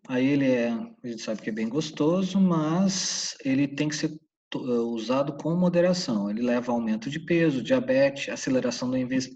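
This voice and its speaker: A man from Santa Catarina, Brazil, with a Brazilian Portuguese accent gives a casual English lesson, slowly repeating the English words in a husky, medium-pitched voice with a darkish tone. The recording sounds dull and distant, as if from a room mic.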